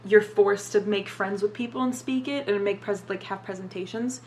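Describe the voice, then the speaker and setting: A woman's voice: mid-range voice, moderate pace, darkish tone, slight background noise. Young woman, first language Arabic, grew up in Dubai, casual interview talk, full of "like" and swearing. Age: young adult. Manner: casual, swears a lot, says "like" often.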